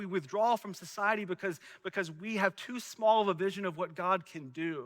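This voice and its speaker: A man's raised, projected voice, high-pitched, bright and sharp, with an American accent, a fairly quick pace and ordinary pitch variation. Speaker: senior pastor. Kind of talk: sermon.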